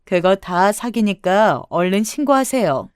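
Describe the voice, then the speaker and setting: A woman voicing a bold, scolding middle-aged sister-in-law who shouts theatrically in a radio story. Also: mid-range voice, big pitch swings, unhurried, clear, resonant tone, no echo, studio quality.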